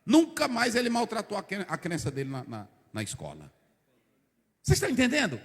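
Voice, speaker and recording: A pastor preaching a lively sermon, acting out the people in his stories with bursts of shouting. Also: high voice, brisk, husky. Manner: animated storytelling, acting out characters, shouting bursts. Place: church hall. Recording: long church hall reverb.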